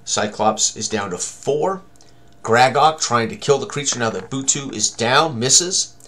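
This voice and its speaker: A man's voice: medium pitch, a little slow, fairly bright tone. An older man presenting a tabletop game tutorial at his computer, thinking aloud in short running commentary on rolls and tallies. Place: small room indoors, at a computer.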